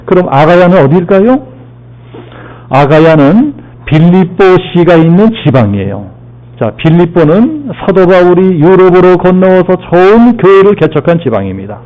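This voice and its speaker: Korean pastor preaching, lo-fi sound. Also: male voice, high-pitched, very animated, moderate pace. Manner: repeats key phrases, asks and answers his own questions; leads congregation in call-and-response and Bible lookup. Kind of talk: sermon. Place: church sanctuary.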